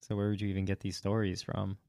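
A man's voice: low voice, completely flat delivery, fast talker, creaky, warm tone, dry recording. Dry-voiced man cracking wry jokes. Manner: wry, joking asides. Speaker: podcast co-host. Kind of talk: casual chat.

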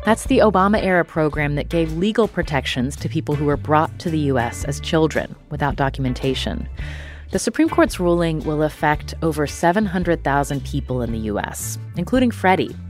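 A woman podcast host with a slightly low voice speaks conversationally, as an interviewer and narrator. Music is heard behind her. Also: expressive, fairly quick.

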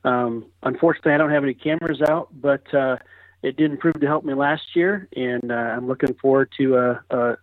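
A man's voice: mid-range voice, fairly quick, no room sound. Man talking over a tinny phone line. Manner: easygoing, thinks aloud with filler words. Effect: heard over a phone line. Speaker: podcast guest, landscape architect. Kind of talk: casual interview chat. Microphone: telephone.

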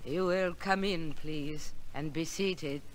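An actress playing an imperious, mysterious fortune teller in 1940s radio style, with solemn, commanding delivery. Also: female voice, low voice, slow pace. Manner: solemn, commanding, repetitive phrasing. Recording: noisy old radio recording.

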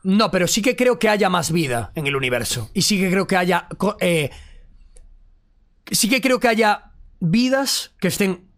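High, lively-voiced man answering questions. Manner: hesitant, measured replies. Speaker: guest. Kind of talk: podcast interview answers.

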